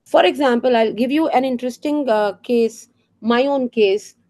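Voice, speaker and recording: A woman's voice: fairly high pitch, moderate pace, dark tone. Indian woman giving a teacher training talk. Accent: Indian English. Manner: earnest, explanatory, with frequent fillers and rhetorical questions. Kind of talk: professional development talk for teachers.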